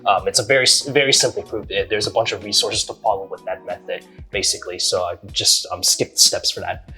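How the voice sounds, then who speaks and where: A man's voice: lowish voice, steady tone, brisk, pushed and bright, soft background music. A man explaining a math problem step by step in a casual, hesitant way, with many ums and restarts. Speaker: math tutor.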